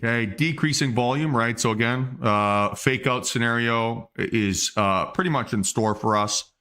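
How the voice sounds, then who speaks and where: A man's voice: medium pitch, normal speed, sharp tone, smooth. A man hosting a day trading livestream, casually thinking aloud through his trades with fillers and restarts, with the hiccups. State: has the hiccups. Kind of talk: live market commentary.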